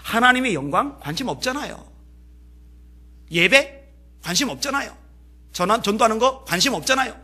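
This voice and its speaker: A male pastor preaching a sermon, telling a story with lively delivery and acting out the characters' lines. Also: extremely high pitch, moderate pace, long pauses.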